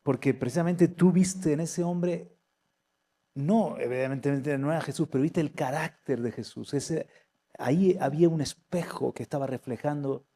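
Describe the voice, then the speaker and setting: Mellow-voiced pastor teaching in points. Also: male voice, a little high. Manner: lists points, asks the room questions. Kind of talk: sermon teaching.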